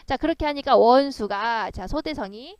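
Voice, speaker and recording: Woman literature tutor, high voice, dry close sound, animated lecturing that acts out the story's lines. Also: moderate pace, no room sound.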